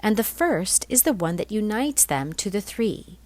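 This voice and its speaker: A woman reading a spiritual text aloud as scripted narration, in measured phrases with deliberate pauses. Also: mid-range voice, sing-song, darkish tone. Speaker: reader of a spiritual blog.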